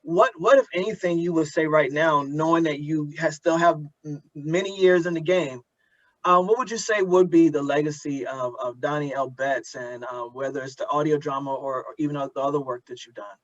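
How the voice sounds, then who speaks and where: A middle-aged man with an American accent hosting an interview, thoughtful and halting as he gradually builds his questions, on a dull, lo-fi recording. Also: fairly high pitch. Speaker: interviewer, host. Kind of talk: conversational interview.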